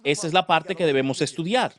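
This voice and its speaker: A man preaching a sermon, telling the story in an animated way and acting out the characters. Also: on the high side, fairly quick.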